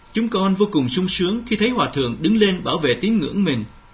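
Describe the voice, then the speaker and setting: Pitch swings very widely as a man talks in a high voice. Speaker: radio announcer. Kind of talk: reading aloud.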